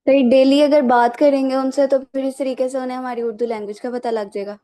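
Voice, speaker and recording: A woman's voice: high-pitched, fairly even intonation, brisk, dark tone. A woman student politely answering her teacher in an online class, heard over distant call audio.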